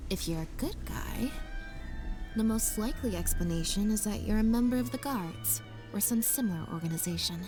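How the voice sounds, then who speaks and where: An actress playing a calm, observant young female sleuth who speaks in a measured, analytical way. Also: mid-range voice, lightly acted. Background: game music.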